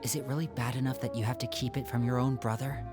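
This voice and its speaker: A man voicing a young male showman who speaks calmly and questions his brother in a measured way. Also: medium pitch, over music, natural voice. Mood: concerned.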